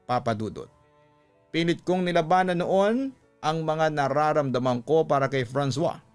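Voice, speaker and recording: A man narrating a scripted love story for radio in an emotive, deliberate storytelling manner. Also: fairly high pitch, lively intonation, clear, resonant tone. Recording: music under the voice.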